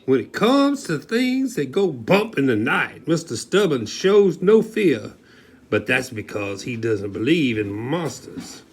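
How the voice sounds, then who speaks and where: Guy doing a dramatic kids book read, super slow, voice goes up and down a lot. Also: medium pitch, sing-song, husky. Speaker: storyteller reading a children's book aloud with a partner. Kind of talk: dramatic storybook reading.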